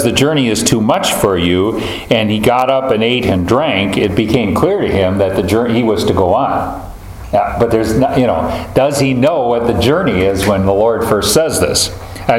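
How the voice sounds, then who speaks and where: A man leading a group Bible study, talking in a halting, thoughtful way with many fillers and restarts. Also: fairly low pitch. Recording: roomy echo, faint ambience.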